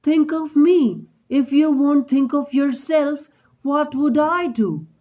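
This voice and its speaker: A man's voice: takes it slowly, mellow. A man doing a pleading young woman. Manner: pleading, pitched up. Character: anxious young woman artist, caring friend.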